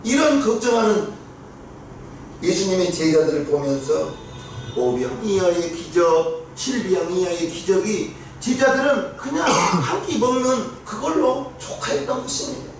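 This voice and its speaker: A pastor preaching a sermon in a church, his voice swinging between loud rises and soft drops as he questions the congregation. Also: high-pitched, animated, measured pace. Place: church sanctuary. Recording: very echoey church room, heard from a distance, faint hiss.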